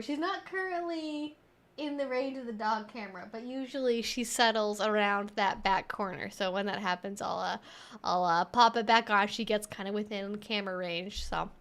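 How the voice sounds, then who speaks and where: A woman with a high-pitched voice hosts a casual livestream. She talks informally and thinks aloud, wandering a bit from point to point as she chats with viewers. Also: fairly bright tone. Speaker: livestream host and educator.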